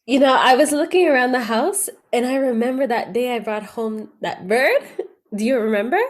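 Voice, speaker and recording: A grown granddaughter played by a woman in an audio drama. Her voice sits a little high, and she talks in a natural, wistful way, gently probing and reminiscing. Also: normal speed, close to an everyday voice.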